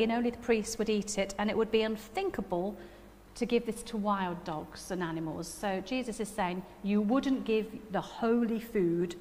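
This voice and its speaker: A middle-aged woman with a Nottingham accent preaches in a reverberant hall. Her voice sits at an average pitch, and she talks in a chatty, self-deprecating way, often checking in with tag questions. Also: darkish tone. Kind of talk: informal sermon with personal anecdotes. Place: church hall stage at a lectern. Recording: echoey hall with long reverb.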